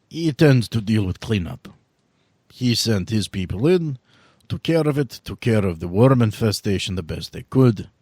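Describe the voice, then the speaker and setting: A man voicing a courtly, shrewd old vampire power broker, speaking in stiff, formal, deliberate phrases. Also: lowish voice, a little mellow, husky, no room sound, clean studio sound, heavily acted. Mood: guarded, confiding. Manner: formal, deliberate, avoids contractions. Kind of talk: in-character tabletop roleplay.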